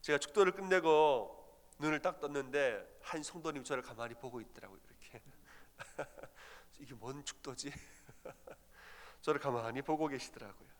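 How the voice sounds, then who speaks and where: A man's voice: fairly high pitch, normal speed, in a large hall. A middle-aged man preaching an early-morning sermon as pastor, telling stories and acting out the voices he quotes.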